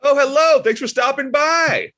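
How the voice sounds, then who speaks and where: A man's voice: very high voice, normal speed, pushed and bright, heavily acted. A man acting a devout, fussy Catholic deacon father in a comedy table read, with sanctimonious, sugary jabs. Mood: breezy.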